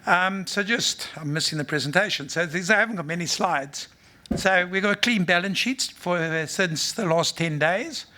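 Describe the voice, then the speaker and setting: Bright-voiced South African man presenting. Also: high-pitched, moderate pace. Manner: loose and unscripted, with many fillers and restarts; blunt, matter-of-fact. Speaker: mining company executive. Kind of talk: conference presentation. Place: conference stage.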